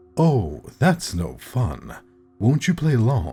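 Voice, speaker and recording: A man puts on a resonant character voice at a medium pitch, with very wide pitch swings and a very slow pace. Faint music sits in the background. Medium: read story. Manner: cheerful, mocking, wheedling.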